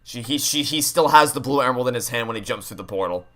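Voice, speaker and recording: A man's voice: medium pitch, fast, pushed and bright. A man giving casual, chatty game commentary in a ranting, exasperated, sweary way. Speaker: gaming streamer playing through a game.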